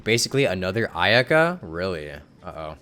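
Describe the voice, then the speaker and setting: A man's voice: low voice, sing-song, fairly quick, sharp tone, smooth. A man streaming a video game, casual and laid-back. He laughs often and answers his chat. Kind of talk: casual live-stream commentary.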